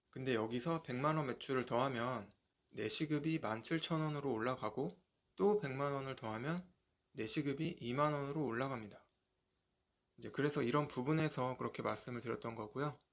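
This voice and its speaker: Talking at a moderate pace, a man uses an ordinary speaking voice, fairly high in pitch with ordinary pitch variation. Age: 30s. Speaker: private taxi driver. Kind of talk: casual talk to camera.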